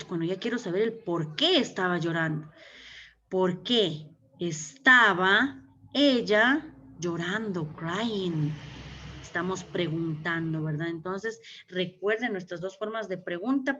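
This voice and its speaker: A woman with a medium-pitched, fairly bright voice teaches English grammar in Ecuadorian Spanish during an online class. She goes step by step, checking in with "okay?", and her computer mic on the video call gives dull, lo-fi audio.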